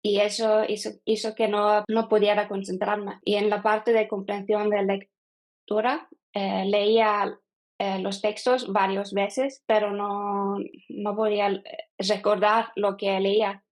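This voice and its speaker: A Norwegian woman in her thirties, a non-native speaker, answering as an interview guest, often pausing and restarting as she talks. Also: medium pitch, flat delivery. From Norway. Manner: hesitant, with frequent fillers and restarts. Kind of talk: casual interview.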